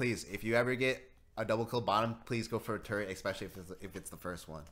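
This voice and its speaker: A man with a fairly low voice, talking very fast, with big swings in loudness and ordinary pitch variation. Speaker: esports analysis show host. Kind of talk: casual esports analysis chat. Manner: mumbling.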